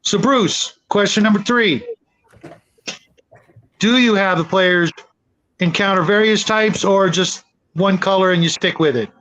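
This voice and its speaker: A man hosting a casual tabletop gaming discussion, speaking in a reflective, wordy way with halting phrasing. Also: sits high, fairly bright tone, low-quality recording. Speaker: host leading a panel discussion. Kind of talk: casual discussion of tabletop role-playing games.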